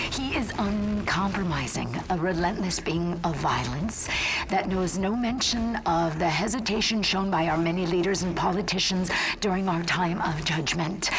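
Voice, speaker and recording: An actress playing a grave, awed woman scientist in a video game, recording log entries in a solemn, measured, reverent way. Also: lowish voice, noisy background, natural voice. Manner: solemn, measured, reverent, breathy at phrase ends. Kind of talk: dramatic scripted monologue. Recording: music behind the voice.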